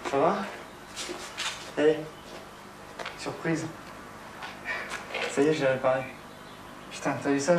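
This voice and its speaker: A man's voice: on the high side, close to an everyday voice. An actor playing a volatile young man who flares up and swears. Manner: explosive, swearing. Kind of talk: film acting. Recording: roomy film sound, distant mic, noisy.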